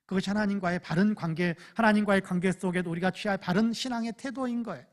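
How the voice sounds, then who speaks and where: Fervent Korean pastor preaching. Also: male voice, high-pitched, fast talker. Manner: earnest preaching, swings between loud fervent prayers and quiet asides. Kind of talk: sermon. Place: church.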